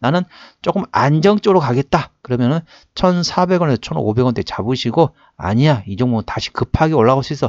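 A man speaks at a fairly quick pace and medium pitch with lively intonation. The sound is dry and close with no echo over a quiet background. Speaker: stock market analyst. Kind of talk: stock chart analysis broadcast. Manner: fast.

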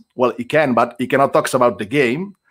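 The speaker is a man. He has an Italian accent. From Italy. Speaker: livestream host for a game publisher. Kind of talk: casual live game stream chat. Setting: online livestream with screen share. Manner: animated.

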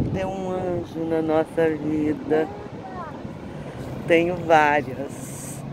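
Loud background noise sits under a woman speaking at a very slow pace. The sound is dry, with no echo. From Brazil. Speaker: local columnist vlogging. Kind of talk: improvised spoken verse to camera. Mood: cheerful, reflective. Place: waterside. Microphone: phone near.

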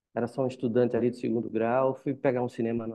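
There is a quiet background as a man delivers his words in a monotone, flat intonation. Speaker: guest. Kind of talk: interview answer. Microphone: earbuds.

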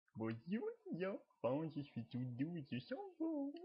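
The pace here is fairly slow. A put-on character voice holds a middle pitch. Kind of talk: childlike, talking to children. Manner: sweet, cutesy.

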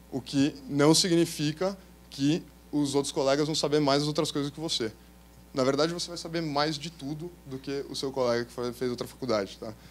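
Using a normal speaking voice, a man with a fairly high pitch keeps a moderate pace and ordinary pitch variation. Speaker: lawyer, alumnus; speaker. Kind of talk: talk to prospective students. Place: classroom. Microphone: handheld.

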